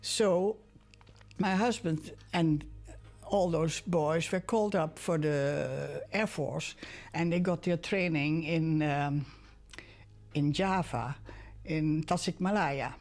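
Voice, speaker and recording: An older woman calmly recalling her family and husband in an interview. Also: deep voice, slow pace. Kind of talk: interview recollection.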